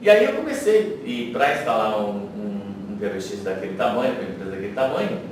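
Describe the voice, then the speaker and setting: A man's voice: on the low side, sing-song, fast talker. A middle-aged man with a São Paulo accent telling stories about himself conversationally as an interview guest. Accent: São Paulo Brazilian Portuguese. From São Paulo, Brazil. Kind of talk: conversational career reminiscence. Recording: very echoey, noisy room, distant microphone.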